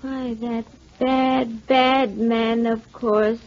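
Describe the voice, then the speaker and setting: An actress playing a deranged, confused spinster with a slow, dazed manner in a 1940s radio drama. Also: female voice, fairly high pitch, level tone, a little mellow, faint music behind. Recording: dull muffled 1940s radio recording.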